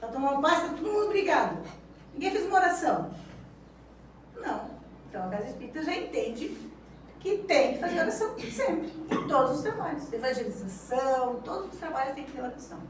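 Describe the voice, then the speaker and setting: A woman's high voice with very wide pitch swings, big swings in loudness, long, frequent pauses and a moderate pace, amid noticeable background noise and audible room echo. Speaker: spiritist lecturer. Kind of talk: lecture.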